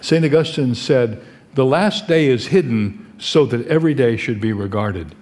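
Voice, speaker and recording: Older man, pastor, conversational sermon, rhetorical questions, mid-pitched voice, long hall reverb. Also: lively intonation, normal speed, noisy background.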